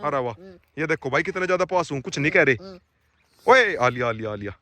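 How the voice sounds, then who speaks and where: A man, talking casually to his viewers while he walks his dog farm and shouts to his dogs. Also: a little high, lively intonation, brisk. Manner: calls out loudly to his dogs. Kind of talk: casual vlog commentary.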